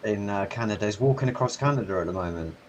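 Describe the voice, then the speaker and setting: Agreeable host, low voice, faint hiss. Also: male voice, fast. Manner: agreeable, frequent affirmations, swears casually. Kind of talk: casual chat.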